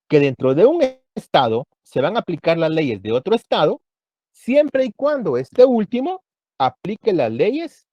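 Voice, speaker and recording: Lively man lecturing on law. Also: on the high side, dry recording, muffled recording. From Guatemala. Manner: explanatory, checks understanding with frequent "¿verdad?". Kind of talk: university lecture.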